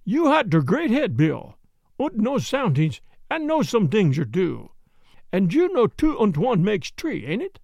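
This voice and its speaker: A man's voice: high voice, huge pitch swings, unhurried, gravelly, a little mellow, no room sound, exaggerated voice. A man voicing a stubborn, blustering prisoner with a heavy put-on foreign accent.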